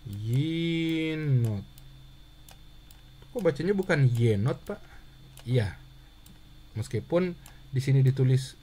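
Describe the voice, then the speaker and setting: A man with a husky, slightly hoarse voice gives a handwriting lesson at a calm, patient pace. He poses questions and answers them himself. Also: mid-range voice. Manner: patient, asks and answers his own questions. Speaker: Russian language teacher.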